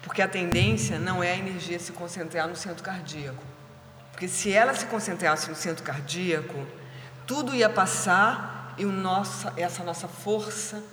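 A woman giving a spiritual talk, calmly and gently telling a personal story. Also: fairly low pitch, noisy background. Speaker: spiritual caretaker and speaker. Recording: echoey hall with faint ambience.

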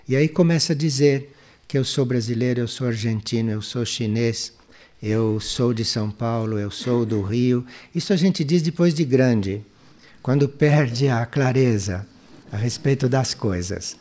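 Answering questions in the style of a spiritual talk, a Brazilian man explains things in a measured, teaching manner. His voice is mid-pitched and a little mellow.

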